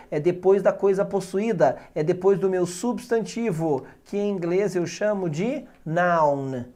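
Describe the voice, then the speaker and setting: A man with a Brazilian Portuguese accent teaching English grammar in an exam-prep video lesson, animated and emphatic, checking in with students every few words. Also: high-pitched.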